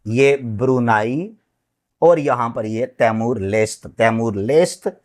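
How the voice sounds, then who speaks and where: A man's voice: mid-range voice, slow pace, darkish tone. A man teaching a geography lesson, pointing along a map and repeating country and currency names, often checking in with his class. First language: Sindhi.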